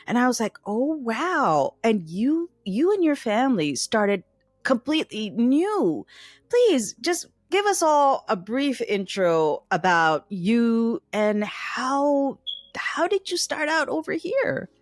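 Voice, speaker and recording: Brief: woman podcast host, very expressive pitch, chatty interviewer, dry close sound. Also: slow pace, no echo. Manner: chatty, warm prompting with frequent backchannels. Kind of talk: conversational interview.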